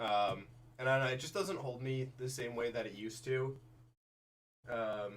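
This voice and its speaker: A man at medium pitch, moderate pace and ordinary pitch variation, with long, frequent pauses and audible room echo. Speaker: gaming streamer. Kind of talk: live stream gaming chat.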